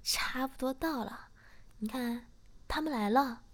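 A woman voicing a teasing, outspoken young woman who banters loudly in a whispered story. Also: sits high, unhurried.

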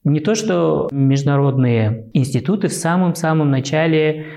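Man, Central Asian Russian accent, creaky mellow voice, thoughtful halting explanations, podcast guest. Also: a little high, animated. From Uzbekistan. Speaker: interviewed expert guest. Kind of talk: conversational explanation in a podcast interview.

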